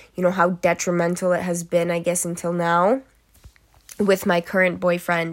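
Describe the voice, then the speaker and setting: A woman speaks at a moderate pace in a fairly low pitch. Her intonation stays monotone and flat. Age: 20s. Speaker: podcast host and hypnotherapist. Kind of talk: solo podcast monologue.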